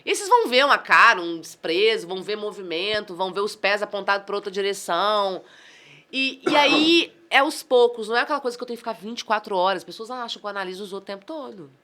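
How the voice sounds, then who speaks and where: A woman with a Brazilian accent, a communication trainer chatting as a podcast guest, animated and exclamatory, acting out the dialogue in her stories. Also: mid-range voice, very fast, hardly any pauses. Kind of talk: casual podcast conversation.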